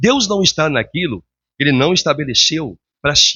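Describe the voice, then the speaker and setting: This man talks with lively intonation, his voice fairly high in pitch and his delivery at a moderate pace. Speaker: pastor. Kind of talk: sermon.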